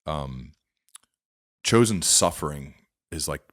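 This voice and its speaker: A man's voice: very deep voice, expressive, slow, a bit bright. An American man hosting a podcast and interviewing his guest in a conversational way.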